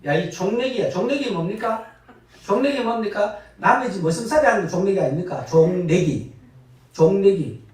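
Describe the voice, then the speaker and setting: Animated older man preaching in echoey church. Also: high-pitched, normal speed, far from the mic. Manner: animated, laughing storytelling with sudden loud rises. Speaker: guest pastor. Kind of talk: sermon. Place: church sanctuary.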